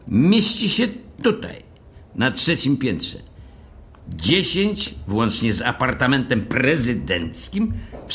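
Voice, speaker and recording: An actor playing a pompous, officious hotel manager in an audio drama, speaking in a formal, methodical way. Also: male voice, medium pitch, a bit bright, full character voice. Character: officious, pompous male hotel manager briefing a new caretaker.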